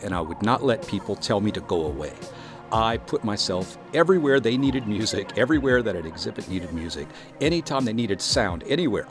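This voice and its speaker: A man with a fairly low voice that swings widely in pitch, speaking as a podcast host. He talks in an earnest, encouraging way to his listeners, and faint music plays underneath. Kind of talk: solo motivational podcast monologue.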